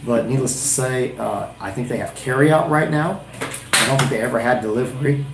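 A man's voice: medium pitch, fairly quick, creaky, very noisy. Rambling man chatting in a roomy room. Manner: rambling, thinking aloud with many restarts. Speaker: beer reviewer and channel host. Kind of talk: casual live-stream chat. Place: small wood-paneled room indoors.

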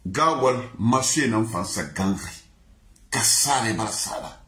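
Slow sing-song man chanting. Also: lowish voice, animated, sharp tone. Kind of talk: chanted song in mixed languages. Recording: echoey room.

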